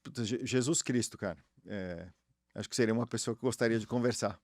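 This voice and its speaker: A man's voice: medium pitch, quick pace, no room sound, clean studio sound. Rambling Argentine man with a Brazilian accent. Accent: Brazilian Portuguese. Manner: slangy, rambling, frequent restarts. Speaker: guest, former tennis player. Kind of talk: casual interview chat.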